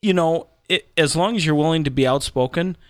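A man's voice: fairly high pitch, fairly quick, no room sound, clean studio sound. A man co-hosting a show with casual, sardonic, colloquial commentary. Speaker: show co-host.

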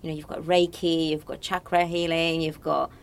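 A woman from Morocco speaks as a guest in an interview. Her voice sits a little low. She talks in a casual, reflective, conversational way. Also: flat delivery, normal speed.

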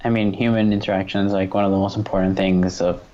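A man's voice: sits low, little pitch movement, fast talker, warm tone, highs cut off. A man from New York, a photographer, talking earnestly as a guest in a casual conversation, with lots of "like" and "you know".

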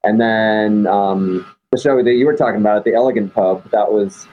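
A middle-aged man and band member, reminiscing wryly in a relaxed, husky voice. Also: lowish voice, normal speed, phone-quality sound. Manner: reminiscing, wry, relaxed storytelling. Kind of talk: casual interview chat.

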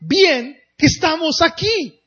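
A man voicing an impulsive disciple full of childlike excitement, speaking in eager, raised exclamations. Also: very high-pitched, slow pace, lo-fi sound, heavily acted. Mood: excited.

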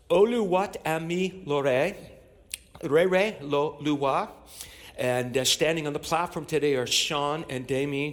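With a mid-range, somewhat bright voice, a male pastor on the church platform preaches and offers public prayer to the congregation. His cadence is declamatory and repetitive, regularly marked by amens.

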